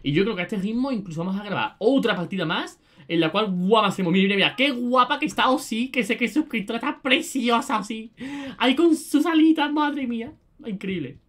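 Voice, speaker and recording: An excitable young woman with a Spain Spanish accent narrates her gameplay, her voice swinging widely from low mutters to shrill shrieks. She chatters fast and repeats words in bursts as the game goes on. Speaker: gaming video creator. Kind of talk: let's-play commentary.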